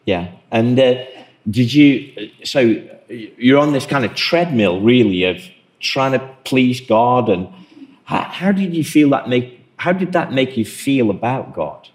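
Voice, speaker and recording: A man leading an interview at a church service, gently prompting his guest with questions and summing up what she says. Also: medium pitch, lively intonation, a little slow.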